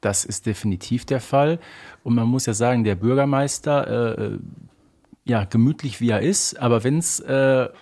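A man's voice: mid-range voice, moderate pace, darkish tone. Man in casual podcast conversation. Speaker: podcast co-host. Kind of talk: casual conversational discussion of audio dramas.

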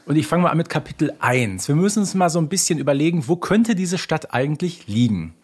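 A man's voice: on the high side, lively intonation, quick pace, a little mellow, slightly rough. A man from Germany co-hosting a podcast, chatting casually with wry, mock-serious enthusiasm. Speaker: podcast co-host.

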